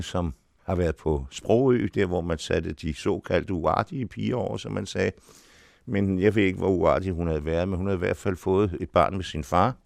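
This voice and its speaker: Deep, gravelly older man reminiscing. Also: no echo, studio quality. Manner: unhurried storytelling with small restarts. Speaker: actor, interview guest. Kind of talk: reminiscing in an interview.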